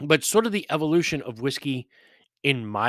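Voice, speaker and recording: In a very clean recording with a silent background and a dry, close sound with no echo, a man with a Boston accent speaks at a fairly slow pace with lively intonation. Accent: Boston-area New England. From Massachusetts, Worcester. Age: 50s. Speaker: spirits podcast host. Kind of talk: casual monologue.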